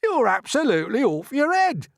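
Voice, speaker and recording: A storyteller voicing a fussy, panicky male earthworm who protests loudly. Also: big pitch swings, normal speed, creaky, no echo, clean studio sound, exaggerated voice. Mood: scornful. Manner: shrill, loud protesting.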